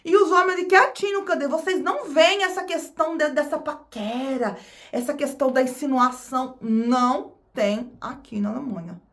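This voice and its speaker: A woman's voice: sits high, normal speed, a bit bright. A woman from Brazil with a Brazilian Portuguese accent, chatting casually to her viewers as a vlogger, often repeating her phrases. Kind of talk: casual chat to camera.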